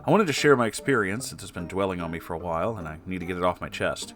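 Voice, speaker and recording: A man with a fairly low voice narrates an online story in a theatrical yet conversational way. He drops in asides as he reads, like a host talking to regulars. Plucked guitar music plays clearly behind him. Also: racing, a bit bright. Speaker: host reading Reddit stories.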